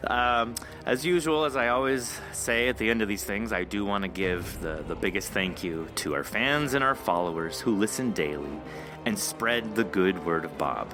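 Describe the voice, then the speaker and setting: Male podcast host, low-ish voice, lively and playful, music bed underneath. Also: moderate pace. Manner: chatty, playful, upbeat. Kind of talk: casual podcast interview.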